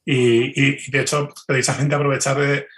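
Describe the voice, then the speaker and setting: A man's voice: mid-range voice, flat delivery, a little fast, a bit bright. A man with a Spain accent answering in a conversational interview, hesitantly repeating words as he thinks. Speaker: podcast guest, fiction writer.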